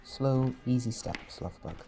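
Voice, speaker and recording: A man acting as a gentle, attentive caretaker in a comfort roleplay audio, coaxing softly and reassuringly with pet names. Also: medium pitch, moderate pace, gravelly, soft background music, natural voice, poor audio. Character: gentle, attentive male caretaker soothing an overwhelmed partner.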